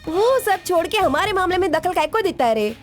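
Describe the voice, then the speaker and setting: An actress dubbing a brash, bossy female gang boss who talks in rough street slang. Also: very high-pitched, big pitch swings, a little fast, faint music behind. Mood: teasing. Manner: swaggering, rough street talk. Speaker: gang leader. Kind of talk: Hindi film dub.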